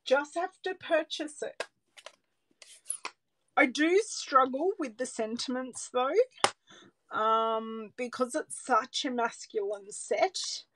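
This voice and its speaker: This Australian woman has a high-pitched voice and talks slowly, leaving long pauses as she demonstrates card making on a relaxed livestream. Working at an indoor craft table under an overhead camera, she thinks aloud and sometimes murmurs, and the low-quality recording carries a faint hiss or hum.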